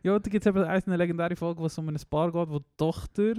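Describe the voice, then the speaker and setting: A young man with a Swiss German accent, co-hosting a podcast in rapid, chatty casual talk and laughing easily. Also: fairly high pitch, fairly even intonation, warm tone, clear, resonant tone, no room sound, studio quality. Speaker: podcast co-host. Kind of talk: casual chat.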